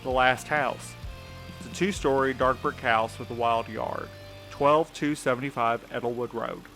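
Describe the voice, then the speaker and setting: A man's voice: mid-range voice, fairly even intonation, normal speed, a bit bright, faint music behind, lightly acted. A man acting in an audio drama as a jaded, laid-back night courier with a casual, sarcastic way of talking. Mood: puzzled. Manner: casual, wry. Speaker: voice actor in a fiction podcast.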